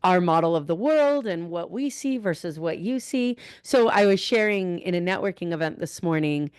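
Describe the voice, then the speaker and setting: A woman hosting a conversational interview podcast, putting questions in a deliberate, emphatic way. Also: fairly low pitch, animated, darkish tone, clear, resonant tone, no echo, clean studio sound. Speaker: podcast host, author.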